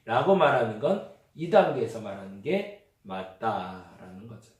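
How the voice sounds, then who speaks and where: A male pastor with a lowish, expressive voice preaches an unhurried, conversational sermon in a church sanctuary, acting out everyday remarks as he goes. The mic sits at a distance in an echoey church hall.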